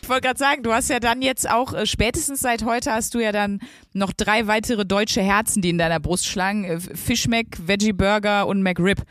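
Woman, podcast co-host, chatty, halting with fillers, dry close mic. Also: mid-range voice, fairly even intonation, fairly bright tone, dry recording. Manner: chatty, searching for words with fillers. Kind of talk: casual chat.

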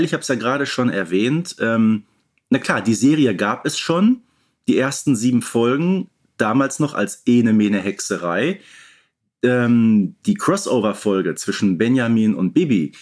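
A man co-hosts a fan podcast, explaining things in a casual, conversational way. His voice has a medium pitch for a man. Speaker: podcast host.

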